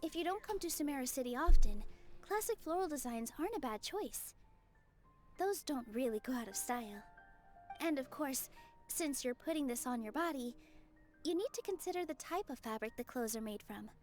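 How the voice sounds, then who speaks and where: An earnest young game character with a high voice. She is polite and explanatory, like a helpful friend giving advice, with music behind her. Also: expressive, moderate pace. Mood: earnest, advising. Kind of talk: scripted game dialogue.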